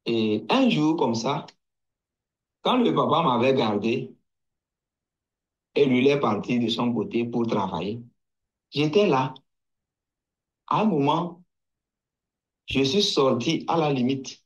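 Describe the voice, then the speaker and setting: A man from Togo giving a slow personal testimony. He hesitates, restarts and repeats words as he recalls events. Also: medium pitch, animated, dull audio. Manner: hesitant, halting, with many restarts and repetitions.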